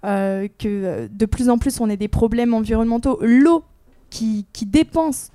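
A woman's voice: fairly high pitch, moderate pace, mellow, dry recording. A woman co-hosting a casual panel discussion, talking hesitantly with many fillers.

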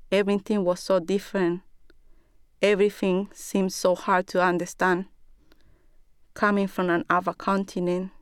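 Young female narrator, Bolivian Spanish accent. Measured personal account, slightly low, smooth voice, dry close sound. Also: no room sound. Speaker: storyteller reading own account.

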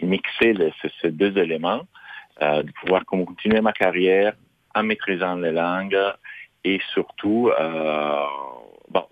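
A man's voice: deep voice, measured pace, slight background noise. A middle-aged man from Italy, speaking French as a second language, answering interview questions with many fillers and restarts. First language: Italian. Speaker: guest. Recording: dry, phone-like narrow sound.

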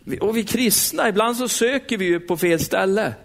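A middle-aged man preaching a sermon in a church, lively, putting questions straight to the congregation. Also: high voice, creaky.

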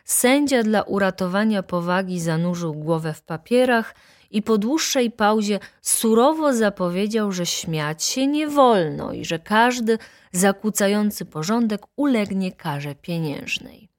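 A woman reads a classic novel aloud in a calm, steady storytelling voice. Her pitch sits in the middle, measured and unhurried. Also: dry recording, studio quality. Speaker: audiobook reader. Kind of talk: audiobook narration of a classic novel.

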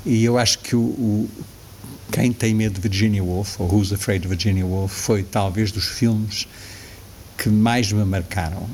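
A man's voice: fairly low pitch, steady tone, measured pace, a little hiss or hum. A man in his sixties with a European Portuguese accent, talking reflectively as an interview guest, often restarting his sentences. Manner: reflective, frequent restarts and soft laughs. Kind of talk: casual interview conversation.

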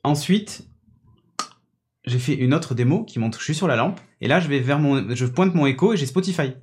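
Speaking into a podcast studio mic on a mixing desk, a man presents a gadget on his casual tech show. His mid-range voice is a little mellow, with lively intonation at a normal speed. He's chatty and enthusiastic, though he hesitates a lot.

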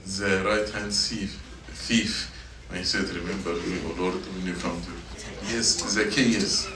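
A man with a low voice speaks in a flat, slightly slow way over crowd noise, preaching a sermon to middle schoolers as a church youth teacher. He repeats his points and puts questions to the students in a church meeting room. The recording is echoey and faintly noisy, with the mic placed at a distance.

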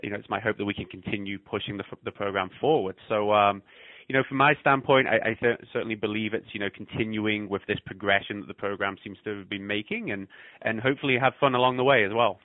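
A man's voice: fairly low pitch, fast talker, no room sound. A man with an English accent, a head soccer coach chatting in a radio interview, full of fillers and restarts. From England. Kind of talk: phone interview. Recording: tinny phone line.

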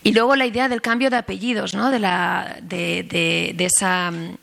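A middle-aged woman from Spain, a historian speaking at a panel, telling a story in a lively, chatty way with many fillers and restarts. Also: on the low side, normal speed, creaky. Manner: animated storytelling with many fillers and self-corrections. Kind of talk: conversational panel talk.

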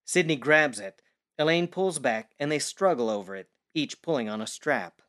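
Male narrator for scripted audio drama, medium pitch, reading scene action in present tense. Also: lively intonation, moderate pace, fairly bright tone.

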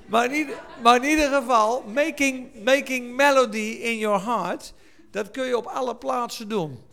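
A male preacher delivers a sermon in a high, gravelly voice. He speaks slowly and with weight, stretching words for emphasis. His tone stays smooth and resonant even when he rises to cry out or sing. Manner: slow, emphatic delivery, swelling to shouts and sung lines.

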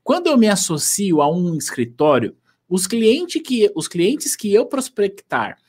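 A man's voice: high voice, big pitch swings, unhurried, a little mellow, slightly rough. A man hosting a casual live chat, reading viewer questions in a rambling, joking way. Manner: rambling, joking, many fillers and restarts.

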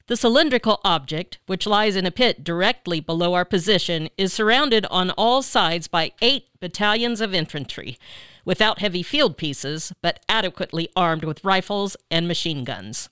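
A man playing a brisk, overconfident army captain giving a clipped field report in a radio drama. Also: sits high, pushed and bright, smooth, no echo, studio quality.

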